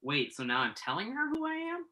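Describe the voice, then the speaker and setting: A man's voice: high-pitched, wildly swooping pitch, brisk, bright, forceful tone, exaggerated voice. A man playing an exasperated, principled young journalist in a staged play reading, protesting with wry sarcasm in natural dialogue. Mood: reluctant.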